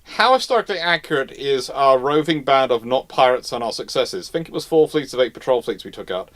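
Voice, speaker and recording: Speaking a little fast with lively intonation, this man has a medium-pitched, fairly bright voice. As host of a relaxed live history Q&A, he takes viewer questions with emphasis and repeats phrases for stress.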